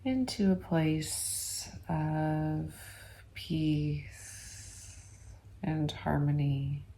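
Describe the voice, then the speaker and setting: A woman guides an ASMR meditation in a deep, soft, gentle voice that drifts toward a whisper. She takes her time, leaving long pauses.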